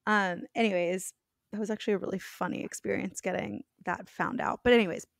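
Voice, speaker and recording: A young woman with a raspy voice co-hosting a podcast, talking frankly and joking in a casual chat. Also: mid-range voice, fairly even intonation, brisk, no room sound, studio quality. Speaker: podcast co-host.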